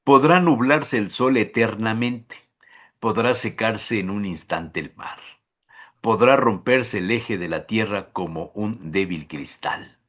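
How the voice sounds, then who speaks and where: A man hosting a talk show who recites love poems in a slow, soft, dropping delivery. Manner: recites poems slowly and softly, dropping low. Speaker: host.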